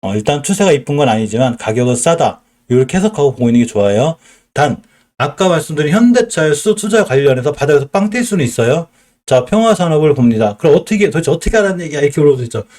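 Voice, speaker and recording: A middle-aged man streaming a stock lesson in a Chungcheong accent. His voice sits a little high and bounces up and down with lively swings. He explains steadily and keeps tossing himself questions to answer. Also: fast talker. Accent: Chungcheong Korean.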